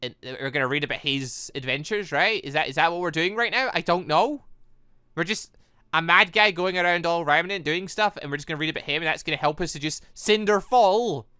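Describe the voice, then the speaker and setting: A man's voice: on the high side, fairly quick, bright, forceful tone, clean tone, no room sound, clean studio sound. A man giving casual, rambling commentary over a game playthrough, reading dialogue and reacting with stammering asides. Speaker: gaming video host.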